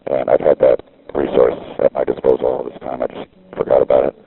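A man's voice: very deep voice, monotone, gravelly, breathy edge, no echo, phone-quality sound. A man on a street payphone, rambling in a casual monologue and restarting his sentences often, heard through a payphone line. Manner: halting, with frequent restarts. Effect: talking over a payphone line. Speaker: caller recording a phone message.

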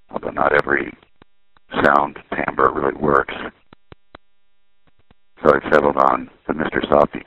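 A man's voice: a bass voice, creaky, no room sound, narrow, tinny audio. A middle-aged man talking over a payphone line from a city street, musing and rambling, often correcting himself. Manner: musing, digressive, self-correcting. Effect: heard over a payphone line. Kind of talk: rambling monologue on a phone line.

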